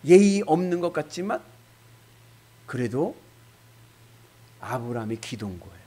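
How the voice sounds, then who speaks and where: A man's voice: fairly high pitch, sing-song, measured pace, warm tone, a little hiss or hum. A middle-aged male pastor preaching a sermon, acting out quoted dialogue in shifting voices.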